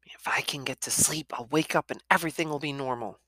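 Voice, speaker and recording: Woman reading a quiet shaken young boy. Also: deep voice, very animated, moderate pace, clean tone, dry recording, voice pushed up. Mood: withdrawn. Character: shaken twelve-year-old boy, quiet and withdrawn.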